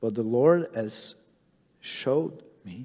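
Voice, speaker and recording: A man's medium-pitched voice, dark and mellow in tone, with ordinary pitch variation. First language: French. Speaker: pastor. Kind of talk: sermon. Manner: halting.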